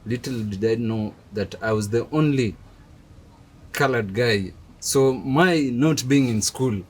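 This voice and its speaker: A middle-aged man from Kenya, a guest in a casual interview, speaking softly and hesitantly and laughing at himself now and then. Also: mid-range voice, takes it slowly, husky. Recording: audible background noise.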